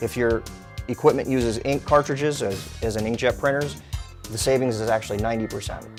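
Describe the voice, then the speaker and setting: Music plays behind a man speaking at a fairly quick pace. His pitch is medium, with ordinary variation. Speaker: business machine store owner. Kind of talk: interview answer. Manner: hesitant, many fillers.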